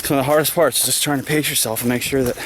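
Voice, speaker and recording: A man's voice: mid-range voice, fairly even intonation, racing. A man talks casually to camera while running and climbing on an outdoor trail, somewhat winded, with sighing breaths between phrases. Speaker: trail runner vlogging his run. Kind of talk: casual vlog commentary to camera. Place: outdoors on a rocky wooded trail. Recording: clear outdoor background noise.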